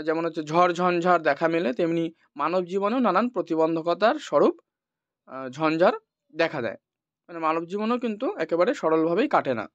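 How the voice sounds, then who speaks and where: High-voiced man teaching a lesson. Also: no echo. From West Bengal. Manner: thinking aloud with frequent "ah" fillers. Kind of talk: explanatory lesson. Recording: dull dry lo-fi recording.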